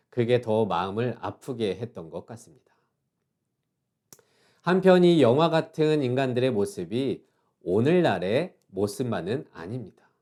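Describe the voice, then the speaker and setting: A middle-aged man, a pastor, giving a short devotional sermon with calm, measured reading whose line endings trail off softly. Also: medium pitch.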